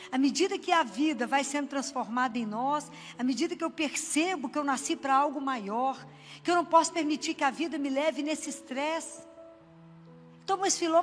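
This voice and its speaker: An older woman with a high voice gives a Christian message in a chatty storytelling way. She acts out the people she quotes. The voice has a long hall echo, with soft music underneath. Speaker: Christian inspirational speaker. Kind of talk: spoken devotional message.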